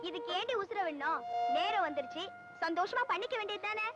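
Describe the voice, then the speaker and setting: Bossy village woman, scolding, teasing, Tamil accent, very high voice, loud music. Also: expressive, brisk. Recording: old film soundtrack under loud music.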